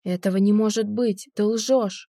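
A woman voicing an elderly gentleman who is quick to anger and indignant, often crying out in an audiobook. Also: medium pitch, fairly even intonation, no echo, clean studio sound, lightly acted. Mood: outraged. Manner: shouting, indignant.

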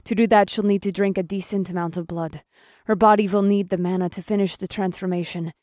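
A man's voice: high-pitched, steady tone, fairly quick, a little mellow, no echo, clean studio sound, pitched above the performer's own voice, natural voice. A man voicing a confident, smirking vampire woman who speaks in a sly, matter-of-fact way. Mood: cool.

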